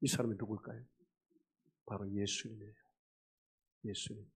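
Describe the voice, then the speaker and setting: A man preaching a sermon as pastor, telling stories, questioning the congregation and acting out loud cries for help. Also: lowish voice, level tone, normal speed, gravelly, slightly rough. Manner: storytelling with acted shouts and audience questions.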